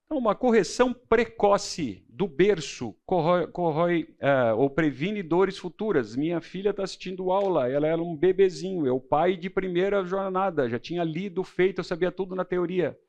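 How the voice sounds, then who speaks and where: A man's voice: lively intonation, normal speed, few pauses, muffled recording. A middle-aged man teaching a church Bible class, preacherly and emphatic, mixing personal stories with rhetorical questions. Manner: preacherly, emphatic, shifting between low intensity and loud stress.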